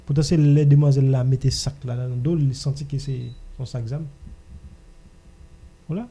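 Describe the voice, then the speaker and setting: A man's voice: mid-range voice, fairly even intonation, moderate pace, warm tone, slightly rough. A man with a Haitian accent talking casually as host of a radio discussion.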